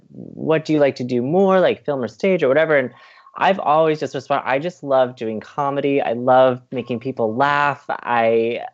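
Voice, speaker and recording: A man's voice: medium pitch, lo-fi sound. A man, an actor, giving casual conversational commentary.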